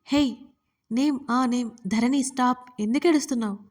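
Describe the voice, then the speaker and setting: A woman voicing a young husband, demanding and self-absorbed, with a brisk, insistent way of talking. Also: fairly high pitch, lightly acted. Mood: pressing.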